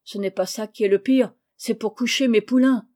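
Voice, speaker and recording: A woman's voice: on the high side, moderate pace, dark tone, close to an everyday voice. A woman reading as a blunt, honest, good-hearted male farmhand with rustic turns of speech in a storybook. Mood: forgiving, plain.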